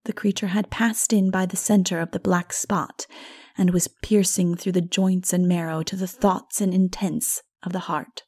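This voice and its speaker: A woman narrating a dark fantasy audiobook dramatically, in a solemn, measured manner that is hushed at times. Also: lowish voice, little pitch movement, slightly rough.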